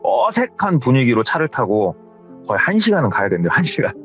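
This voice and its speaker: A male horror storyteller speaks in a relaxed, conversational way, retelling another's story with a lively, moving pitch. The audio is slightly dull and lo-fi. Soft music plays faintly behind. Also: fairly quick. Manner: conversational, retells secondhand with hearsay endings. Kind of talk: casual spoken storytelling.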